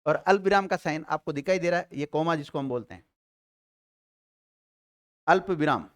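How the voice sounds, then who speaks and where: A man teaching a grammar class to students, asking questions and answering them himself, and dictating notes slowly with repeated phrases. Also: fairly high pitch. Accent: Rajasthani Hindi.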